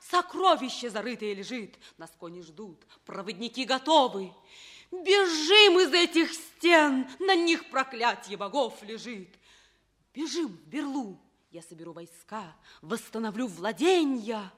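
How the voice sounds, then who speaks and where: Bright-voiced, passionate captive princess. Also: female voice, on the high side, exaggerated voice. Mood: pleading, fervent. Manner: grand, drawn-out declamation with sudden hushed whispers. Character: passionate, scheming captive princess, lovesick and proud. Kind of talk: theatrical declamatory verse acting, 1960s Russian stage tradition.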